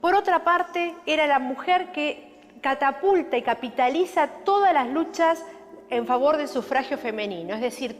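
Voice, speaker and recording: Woman explaining history, hall echo. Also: fairly high pitch. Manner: explanatory, builds points with lists and emphasis. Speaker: interviewed historian. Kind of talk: documentary interview. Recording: long hall reverb.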